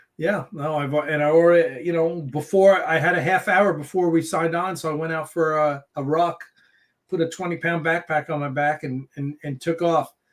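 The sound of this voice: A man with a fairly high pitch speaks at a moderate pace with fairly even intonation.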